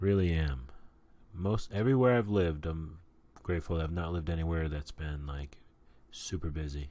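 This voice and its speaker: A man with a very deep, low pitch speaks at a fairly quick pace in a relaxed tone, with ordinary pitch variation. Long pauses come often. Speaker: podcast host. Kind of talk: casual chat. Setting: at home, quiet night. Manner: relaxed, laid-back.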